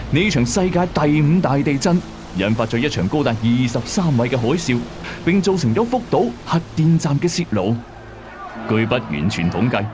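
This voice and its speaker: A man with a Hong Kong Cantonese accent narrates like a late-night mystery host. His mid-pitched voice swings widely in melody, building suspense and dropping in chatty asides. Music plays softly behind him. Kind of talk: scripted storytelling narration. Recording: voice over background music. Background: music bed.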